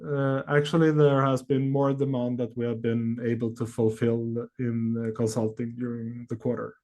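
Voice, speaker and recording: Exec guy on an earnings call, average pitch, lots of uhs and ums, kinda halting. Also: little pitch movement, a little mellow. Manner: halting, hesitant delivery full of long filled pauses. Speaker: company executive. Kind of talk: answering analyst questions on an earnings call.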